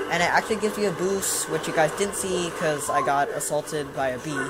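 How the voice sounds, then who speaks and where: Noticeable background noise sits behind the voice. The delivery is fairly quick. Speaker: gaming youtuber. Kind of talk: gameplay commentary. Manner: fast.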